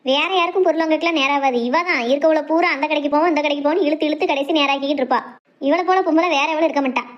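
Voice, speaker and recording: Woman acting a shrill, cranky old Tamil mother-in-law. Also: racing, muffled recording, close to an everyday voice. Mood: grumbling. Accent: southern Tamil Nadu. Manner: scolding, sarcastic. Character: cranky, sarcastic elderly mother-in-law, forever grumbling. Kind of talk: cartoon comedy drama dialogue.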